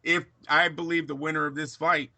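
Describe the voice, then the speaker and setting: A man talking boxing in a casual chat, opinionated, in quick bursts with fillers and restarts. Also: fairly high pitch, level tone, creaky, pushed and bright. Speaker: boxing pundit.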